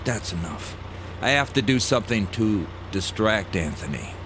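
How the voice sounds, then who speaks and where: A man narrating a scripted personal story with dramatic pauses and wry amusement, as a storyteller recalling his own past. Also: lowish voice, expressive, a bit bright, a little hiss or hum. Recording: music behind the voice. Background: music bed.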